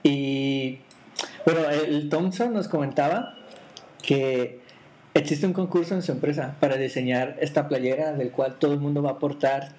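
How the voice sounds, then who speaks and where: A man, his voice sitting a little high. He hosts a relaxed podcast, teasing his co-host and stumbling over restarts as he jokes. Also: normal speed, slight background noise, poor audio. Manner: teasing, playful, restarts a lot. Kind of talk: casual joking chat.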